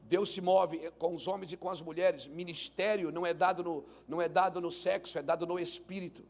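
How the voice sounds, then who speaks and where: A male pastor with a Brazilian Portuguese accent, preaching a lively live sermon at a church conference, telling stories and rising to shouts. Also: sits high, a little fast. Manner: animated preaching that builds to shouts; tells stories through acted dialogue.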